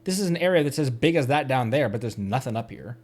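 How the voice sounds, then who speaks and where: A man's voice: mid-range voice, animated, quick pace. A man streaming a video game, chatting casually and rambling as he thinks aloud. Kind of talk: casual livestream gameplay chat. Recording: game music behind the voice. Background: soft game music.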